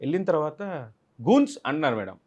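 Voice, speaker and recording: A man's voice: a little high, huge pitch swings, fast, darkish tone, breathy edge, lo-fi sound. A man, an actor being interviewed, telling a film-set story animatedly and acting out other people's lines. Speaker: actor guest.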